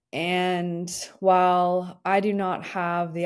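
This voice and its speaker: Over a quiet background, a woman speaks at a fairly low pitch. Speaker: podcast host. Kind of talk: reflective personal podcast monologue. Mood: soft, vulnerable, reflective. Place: home room. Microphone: studio mic.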